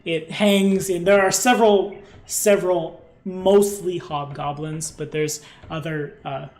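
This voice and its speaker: A man with a slightly high voice runs a tabletop fantasy game. He improvises his narration, descriptive and informal, often halting as he builds the scene. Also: steady tone, darkish tone. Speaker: game master.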